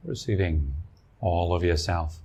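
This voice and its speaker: A man leading a guided meditation as a teacher, speaking gently and unhurriedly in short, spaced phrases. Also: deep voice, a little slow, husky.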